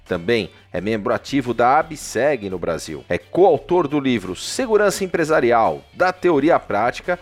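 A man's voice: medium pitch, sing-song, normal speed, few pauses, soft background music. A man hosting an online interview in a formal way, introducing the guest and posing questions. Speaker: host.

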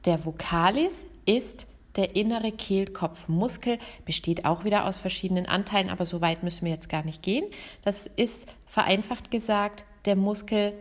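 A woman, hosting a podcast lesson as a vocal coach, talking directly and lively to the listener. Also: mid-range voice. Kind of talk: podcast lesson on singing technique.

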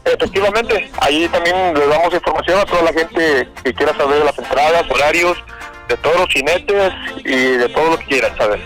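A Mexican man speaks as a radio guest in a somewhat high voice, hesitant and nervous, stopping and restarting with fillers. Soft music plays faintly behind him. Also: fairly quick, rough recording. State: nervous on air. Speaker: rodeo promoter, interview guest. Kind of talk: radio interview.

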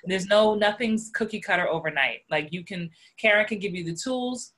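Bright-voiced woman podcast host. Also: medium pitch, normal speed. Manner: enthusiastic, appreciative. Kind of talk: casual interview talk.

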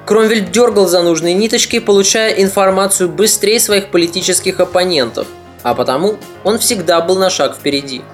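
Give me a calm, deliberate male podcast narrator reading a history script. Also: sits high. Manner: steady, deliberate storytelling.

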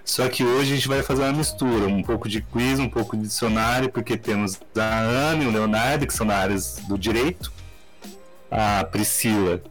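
A man, hosting a podcast over a video call in relaxed, rambling chat, his mic audio clipping and distorted. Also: on the low side, normal speed, faint music behind. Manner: relaxed, rambling, filler-heavy. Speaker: podcast host.

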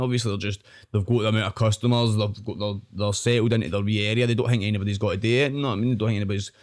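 A man with a broad Glasgow Scottish accent chatting casually and telling stories in a rambling, slangy, sweary way. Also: lowish voice. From Scotland. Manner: rambling, slangy, sweary, frequent "know what I mean". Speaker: online food reviewer, podcast guest. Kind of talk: casual chat, storytelling.

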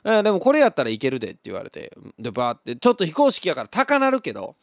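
A man's voice: fairly high pitch, racing, dry recording, clean studio sound. A young man, hosting a casual podcast, reading listener messages and telling stories with frequent laughs and sound effects. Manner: chatty, laughs often, lively storytelling with sound effects. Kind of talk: casual chat.

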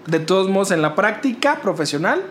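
A man with a northern Mexican accent, a radio producer, in casual podcast chat, animated and sarcastic, swearing freely. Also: high-pitched, fairly quick, a little hiss or hum.

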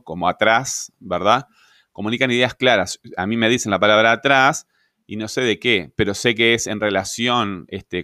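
A man's voice: on the low side, pushed and bright, clear, resonant tone, no echo, clean studio sound. A man teaching a grammar lesson, patient, often checking with rhetorical questions. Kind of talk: grammar lesson explaining on screen.

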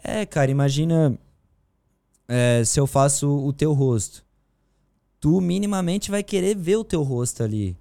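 A man's voice: on the high side, a little slow, gravelly, long pauses, dry recording. A Brazilian man, a painter, chatting casually and slangily in an interview on a studio mic. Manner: relaxed, slangy, rambling. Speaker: guest painter.

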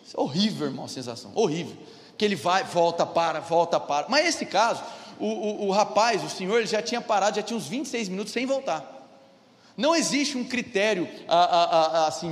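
A long reverb tail follows this high-pitched, expressive, fast-talking man as he preaches in a church hall. He is a pastor in his thirties with a Brazilian Portuguese accent, sharing a personal story and repeatedly calling out "amém?" and "irmão" to the congregation.

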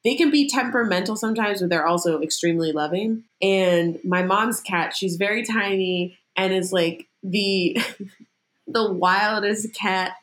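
A woman's voice: medium pitch, measured pace. A woman guest on a podcast, telling stories in a casual, rambling way with lots of filler words. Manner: rambling storyteller, heavy filler "like". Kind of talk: casual chat.

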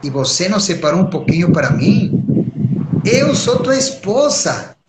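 A man voicing a hurt, reproachful goddess wife in a high pleading voice, in an echoey room with background noise. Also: sing-song, normal speed.

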